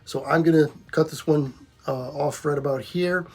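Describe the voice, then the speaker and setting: A middle-aged man hosting a music reaction channel, talking casually with lots of ums, hoarse and losing his voice. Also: on the high side, normal speed. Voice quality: husky. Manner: relaxed, repetitive, lots of ums.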